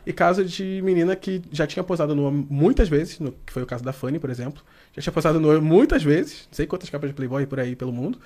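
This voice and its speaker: A man in casual podcast chat about his photo shoots who often breaks into high laughter. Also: animated, fast, warm tone. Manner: laughs often, giggling high when amused. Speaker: photographer for a men's magazine.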